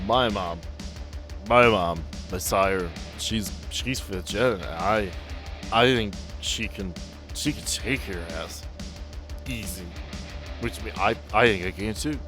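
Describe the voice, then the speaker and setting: A man's voice: lowish voice, takes it slowly, pauses often, over music. A man voicing a drunk, belligerent vampire barfly who rambles and repeats himself boastfully in a tabletop game. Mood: drunk bravado.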